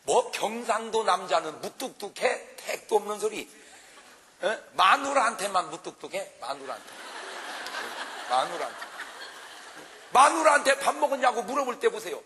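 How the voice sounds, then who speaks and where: A male pastor preaching at a revival meeting, his high, bright voice leaping up and down as he jokes with the crowd. The sound carries a long reverb from the large church hall. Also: normal speed, slight background noise. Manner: animated, jokes and acts out quarrels for the congregation. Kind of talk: revival sermon.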